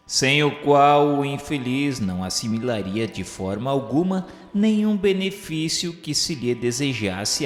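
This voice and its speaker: A man with a Brazilian accent gives a solemn, formal, scripted literary narration in the style of a radio novela. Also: medium pitch. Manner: solemn, formal, measured delivery. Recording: echoey hall-like reverb, music behind. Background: music.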